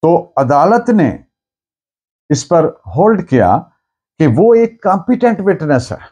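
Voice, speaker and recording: A man with a Pakistani accent giving an explanatory law lecture, deliberate and restating key points in other words. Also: on the high side, very animated, dark tone, breathy edge. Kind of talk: explanatory lecture with dictated case citations.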